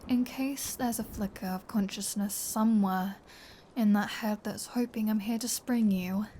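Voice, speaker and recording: An actress as a seductive female vampire in an ASMR roleplay, speaking slowly in a soft, mellow voice. She is smug and teasing, savoring her words and slipping toward a whisper. Faint noise and ambience sit behind her. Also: medium pitch, close to an everyday voice. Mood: teasing, taunting. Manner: playful, smug, teasing, dropping into breathy whispers. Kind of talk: scripted ASMR audio roleplay.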